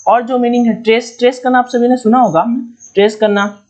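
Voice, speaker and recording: A man's voice: very high voice, steady tone, brisk, darkish tone. A man from India with a Hindi accent teaching English vocabulary in an online exam-prep lesson, spelling words out letter by letter and repeating key points.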